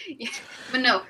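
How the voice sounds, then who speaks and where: Bright-voiced giggly young woman streamer. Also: fairly high pitch, breathy edge. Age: 20s. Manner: giggly, rambling, self-mocking. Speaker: stream host. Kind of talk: casual live stream chat.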